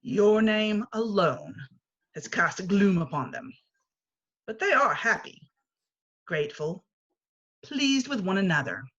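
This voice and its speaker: A woman's voice: medium pitch, very animated, slow pace, long pauses, fairly bright tone, dull audio, exaggerated voice. A woman playing a stern, solemn Christmas spirit who rebukes a miser in archaic language, in an amateur dramatic reading. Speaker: amateur reader, library staff. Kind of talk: dramatic reading of a classic story.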